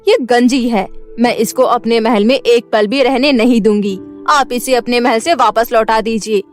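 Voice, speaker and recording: Lady doing angry haughty mother-in-law queen, cartoon story, kinda high voice, music under it. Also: fairly even intonation, moderate pace, lightly acted. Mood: stern, domineering. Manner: scolding, imperious, emphatic. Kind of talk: Hindi cartoon story dubbing. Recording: music bed behind the voice.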